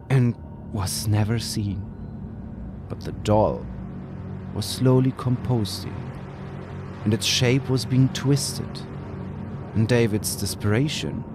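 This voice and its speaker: A man whose first language is German, slowly reading a scripted horror story with deliberate, dramatic pauses. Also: lowish voice. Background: music.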